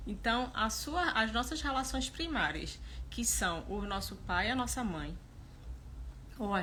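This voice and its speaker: A woman speaks with audible room echo. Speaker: self-help coach. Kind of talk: live stream talk. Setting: live stream.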